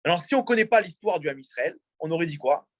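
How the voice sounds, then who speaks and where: A man's voice: a little high, expressive, quick pace, fairly bright tone, dry recording. A man, a rabbi, teaching a religious class and asking his audience questions as he explains. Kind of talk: religious lecture. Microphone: in-room mic, also streamed on a video call.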